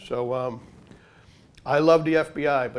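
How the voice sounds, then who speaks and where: A man with an American accent has an ordinary speaking voice. His fairly high pitch stays in fairly even intonation. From Massachusetts. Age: 60s. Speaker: retired FBI undercover agent and author. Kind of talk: public talk. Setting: library talk with audience. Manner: conversational, frequent 'okay?' fillers.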